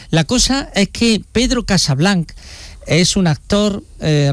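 A man's voice: on the high side, no room sound, studio quality. A man giving a live regional report, joking and rambling with fillers. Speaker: regional correspondent.

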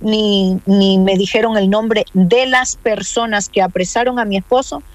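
A woman's voice: mid-range voice, fairly even intonation, unhurried, no room sound, low-quality recording. Interviewee: earnest woman, mid-range voice, dry close sound, insistent retelling. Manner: earnest, insistent, repeats key points. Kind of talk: emotional personal account.

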